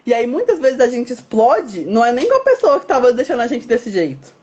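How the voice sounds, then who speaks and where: A woman's voice: fairly high pitch, big pitch swings, brisk, darkish tone, slightly rough, lo-fi sound. A woman hosting a casual online conversation, explaining at length with everyday examples. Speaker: host. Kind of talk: casual chat.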